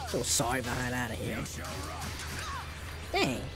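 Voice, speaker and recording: A game streamer talks casually through the action in an African American English accent. The pitch sits in a middle range, and loud game music plays clearly behind the voice. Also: animated, unhurried. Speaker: gaming streamer. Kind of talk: casual gameplay commentary.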